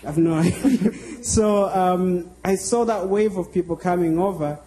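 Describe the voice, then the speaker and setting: A man's voice: high-pitched, a little slow, warm tone, low-quality recording. A man from Tanzania, introducing himself on a university panel in an easygoing way. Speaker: panel speaker.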